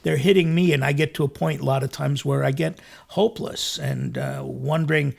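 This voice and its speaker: An earnest male priest hosts a studio interview, thinking aloud and restarting his phrases as he goes. His voice sits a touch high for a man and carries a gravelly edge. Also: big pitch swings, moderate pace. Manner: earnest, reflective, with many restarts. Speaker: priest and show host. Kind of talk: conversational interview. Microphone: studio mic.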